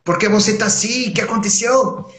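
Man voicing a hurt goddess wife, high and pleading, echoey room. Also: brisk, fairly bright tone. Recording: echoey room, background noise.

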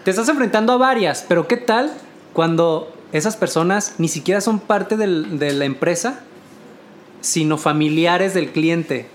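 A man's voice: fairly high pitch, measured pace, a little hiss or hum. A man with a northern Mexican accent, a designer, in casual podcast chat, explaining things at length with many restarts. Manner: explains at length, with frequent restarts and light laughter.

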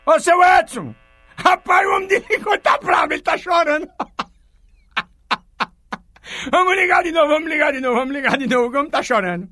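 Man, radio prank host, very high bright voice, folksy and pleading, dry studio sound. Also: brisk, pauses often, no room sound. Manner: pleading, folksy, keeps saying "rapaz".

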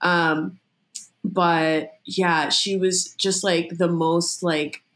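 A woman's voice: lowish voice, level tone, extremely slow, fairly bright tone. A woman guest on a podcast, telling stories in a casual, rambling way with lots of filler words. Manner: rambling storyteller, heavy filler "like". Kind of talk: casual chat.

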